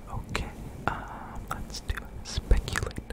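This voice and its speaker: A soft-spoken man's whisper. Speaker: ASMR creator. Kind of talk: ASMR whisper chat. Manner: soft close-mic ASMR whisper. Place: home room. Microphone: studio mic.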